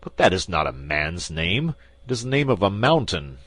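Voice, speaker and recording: A man voicing a stern, pompous police commissary who interrogates forcefully. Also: sits low, big pitch swings, moderate pace, dry recording. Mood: exasperated.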